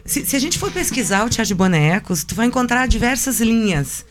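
A woman's voice: fairly high pitch, animated, brisk. Thoughtful woman puppeteer. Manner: thoughtful, searching for words. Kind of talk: reflective interview talk.

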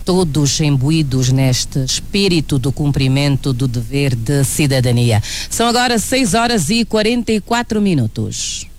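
A man reads the morning radio news in a measured, formal announcer's voice. His pitch sits a little high for a man, and he moves steadily through time checks and story introductions. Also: a little hiss or hum. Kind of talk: scripted news reading.

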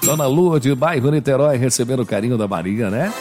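A man's voice: mid-range voice, lively intonation, brisk. A Brazilian man hosting a morning call-in radio show, chatty and upbeat, greeting listeners by name. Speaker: radio host. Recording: radio studio with music bed.

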